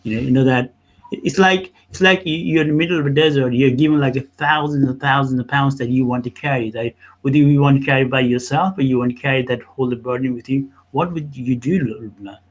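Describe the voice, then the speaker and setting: A man from Nepal speaking as an accountant and interview guest, telling his story conversationally in a halting way with repeated words. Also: mid-range voice, steady tone, low-quality recording.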